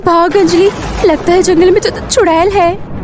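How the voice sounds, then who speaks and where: A woman's voice: very high voice, steady tone, a little slow, over music, pitched above the performer's own voice. A woman voicing an anxious, caring young elder sister who speaks earnestly. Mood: frightened pleading. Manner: earnest, pleading.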